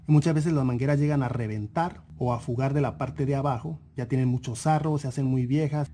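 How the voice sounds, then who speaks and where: A man calmly walking through a car engine repair lesson, pointing out parts one by one and repeating key points. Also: mid-range voice, slight background noise. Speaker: auto mechanic instructor. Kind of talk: explanatory car repair tutorial voice-over.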